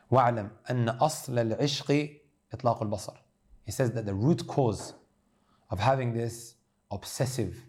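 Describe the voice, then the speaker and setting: A man delivers an earnest sermon with a dark, mellow voice. He speaks directly to his listeners as brothers and sisters, steady and sincere. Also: mid-range voice. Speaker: preacher.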